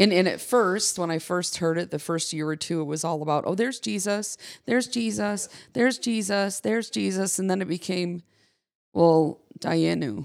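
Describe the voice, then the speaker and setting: Speaking with an American accent, a woman uses an ordinary speaking voice at a fairly low pitch and a moderate pace. Her intonation is lively, and the recording is very clean with a silent background. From Michigan. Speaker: podcast co-host. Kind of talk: casual discussion.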